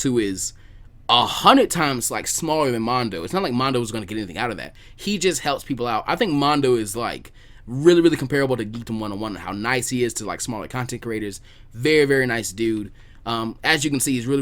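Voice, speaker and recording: A man hosting a podcast in casual conversation, informal and repeating words for emphasis. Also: medium pitch. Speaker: podcast host.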